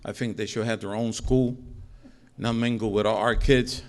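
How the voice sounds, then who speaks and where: A man's voice: on the low side, steady tone, moderate pace. A middle-aged man giving a rambling, repetitive public comment at a school board meeting from a podium microphone, growing more heated as he goes.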